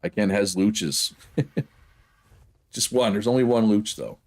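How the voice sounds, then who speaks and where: This man, whose voice sits on the low side, takes his time as he talks casually and rambles to his game livestream viewers. He has a Prince Edward Island Canadian accent and often checks in with "right?".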